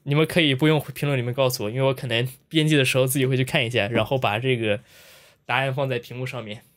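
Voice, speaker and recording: A man's voice: mid-range voice, fairly even intonation, fast talker, fairly bright tone. A man from mainland China hosting a casual video, talking playfully with exaggerated shocked reactions. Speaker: video host. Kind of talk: casual talking-head commentary.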